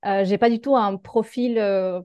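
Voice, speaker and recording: A woman's voice: medium pitch, fairly even intonation, unhurried, a little mellow, clean tone, no echo, lo-fi sound. A woman in her thirties from Argentina, a podcast guest talking about astrology in a reflective, hesitant way with many fillers. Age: 30s. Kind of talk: casual interview chat.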